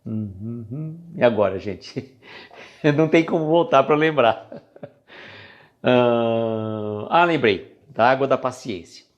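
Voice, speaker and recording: A man with a Brazilian Portuguese accent speaks in a casual spiritual reflection, talking to live-stream viewers. His pitch sits in an ordinary middle range. He is chatty and conversational and sometimes loses his thread. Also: slow pace, pauses often, muffled recording.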